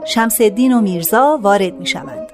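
A woman narrating stage directions in a calm, even scripted reading. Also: medium pitch, music in the background.

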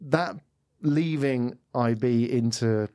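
A man hosts an interview podcast, talking in loose, rambling questions. His voice sits at a middle pitch. The studio sound is dry and close. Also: slow, warm tone, dry recording. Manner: chatty, rambling questions with frequent "mm" backchannels. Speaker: podcast host.

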